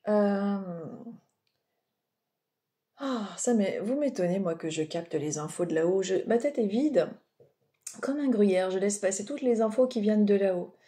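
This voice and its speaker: Chatty French woman with a mellow voice. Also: mid-range voice, unhurried, long pauses. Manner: chatty, rambling, digressive with many fillers. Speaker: medium giving oracle card readings. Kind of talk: casual spiritual guidance talk.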